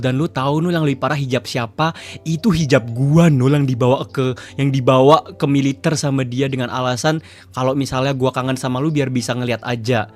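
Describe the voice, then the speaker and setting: A man streaming live, reading viewer confessions aloud in a chatty, teasing way. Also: mid-range voice. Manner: chatty, teasing asides to chat. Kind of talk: casual livestream reading.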